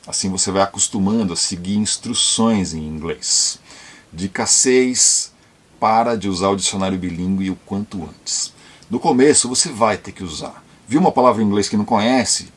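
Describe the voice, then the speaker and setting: Husky São Paulo man giving tips. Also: medium pitch. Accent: Brazilian Portuguese, São Paulo. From São Paulo, Brazil. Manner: slow, deliberate when modeling pronunciation. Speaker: YouTube channel presenter. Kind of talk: casual tutorial on learning English.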